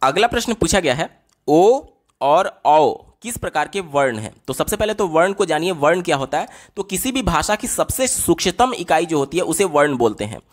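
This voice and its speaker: High-voiced male Hindi-medium teacher. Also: big pitch swings, fairly quick. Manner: explains step by step, asks and answers his own questions, repeats "theek hai?"; writes on a board while explaining. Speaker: teacher solving exam papers. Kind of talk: exam-paper lesson explanation.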